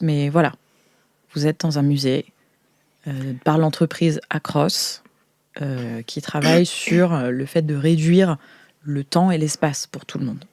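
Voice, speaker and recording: A woman's voice: low-pitched, darkish tone, dry recording, studio quality. A woman improvising a flustered, hesitant museum agent who explains things defensively in an audio roleplay. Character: flustered young woman, junior integration agent in a futuristic museum.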